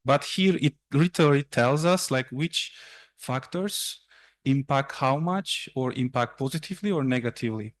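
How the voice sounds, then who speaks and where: A young adult man whose first language is Turkish gives a university seminar talk in a lecture room, explaining slides in a halting way with fillers and restarts. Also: medium pitch. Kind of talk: academic presentation.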